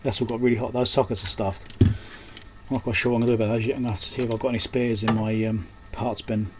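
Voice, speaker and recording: An electronics repair technician and host mutters unscripted thoughts in short fragments while working hands-on at his indoor bench. He talks fast in a medium-pitched, flat voice.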